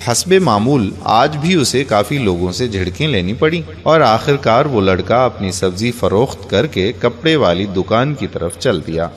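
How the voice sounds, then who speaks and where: A man's voice: lowish voice, expressive, few pauses. A man earnestly narrating a heartfelt first-person moral story, ending in pleading appeals to his listeners. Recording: long reverb on the voice.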